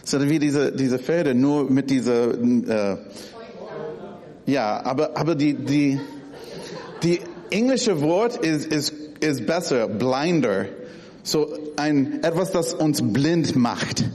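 A middle-aged man preaching a sermon, often halting and repeating words as he searches for them. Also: medium pitch, animated, darkish tone. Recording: long hall reverb.

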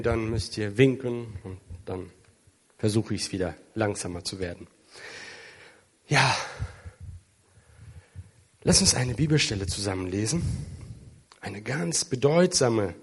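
A man preaching in a church hall with an unhurried, deliberate delivery. He sounds earnest and deeply moved, slowing on his key words and building to fervent peaks. His voice sits at an ordinary middle pitch. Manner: emotional, earnest, with some dramatic slow emphasis and rising intensity. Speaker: pastor. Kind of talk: sermon. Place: church hall with an international congregation.

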